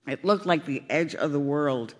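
A woman's voice: sits low, normal speed, lightly acted. A woman voicing the most elderly duck, wise and reminiscing about his youth.

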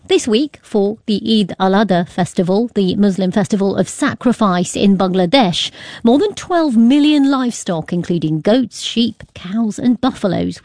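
A woman presenting live radio news from a broadcast studio, reading headlines and chatting with a correspondent in a measured, crisp newsreader manner. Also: medium pitch, darkish tone, dry recording. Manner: crisp measured newsreader delivery with light laughter in chat. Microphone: studio microphone.

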